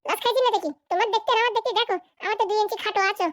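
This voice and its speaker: Woman doing naggy cartoon village wife, super high voice, crazy fast sarcastic comebacks. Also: a bit bright, no room sound, studio quality. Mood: nagging, mocking. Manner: sarcastic, needling retorts. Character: sharp-tongued, nagging village wife and mother. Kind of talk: comedy cartoon dialogue.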